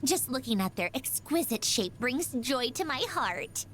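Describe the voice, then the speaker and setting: A woman's voice: high-pitched, big pitch swings, unhurried, fairly bright tone, slight background noise, heavily acted. An actress voicing a proud, ladylike young machine doll in a video game, with a prim, precisely worded delivery. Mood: refined, contented. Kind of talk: scripted video game character voice lines. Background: music.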